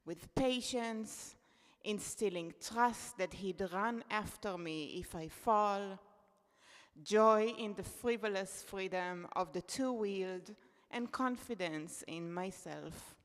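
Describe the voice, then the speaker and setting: A woman reads her own essay at an unhurried pace. Her pitch sits in the middle of the usual range, and her delivery stays measured and reflective. A long hall reverb trails behind her voice. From Israel. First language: Hebrew. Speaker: contributor reading at a poetry event. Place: event hall.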